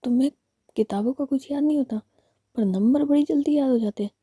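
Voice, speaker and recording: Woman whispering jealous young girlfriend, scolding, husky hush, raised pitch. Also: brisk, no echo, studio quality.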